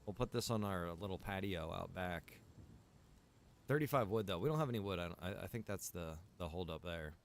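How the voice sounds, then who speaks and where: Lower-voiced man rambling through a game stream. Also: a little fast, vocal fry, a little hiss or hum. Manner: rambling, thinking aloud. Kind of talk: casual livestream gameplay chat.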